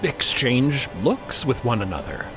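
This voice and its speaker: Slow dramatic narrator guy, deliberate and portentous, loud music all under him. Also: mid-range voice, very animated.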